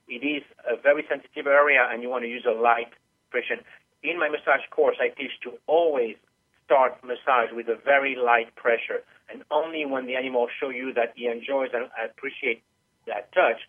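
A man speaks over a narrow, tinny phone connection. His pitch sits mid-range, and he explains things step by step with small hesitations. He is a teacher being interviewed on the radio. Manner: patient, explanatory, with frequent uh fillers. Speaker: guest animal massage teacher. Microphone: phone call.

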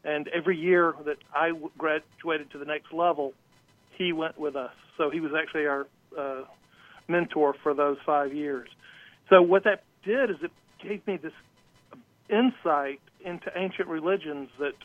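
A man from Georgia, a radio guest telling stories casually and pausing mid-sentence. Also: on the high side. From Georgia, United States. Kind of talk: casual autobiographical storytelling. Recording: tinny phone line.

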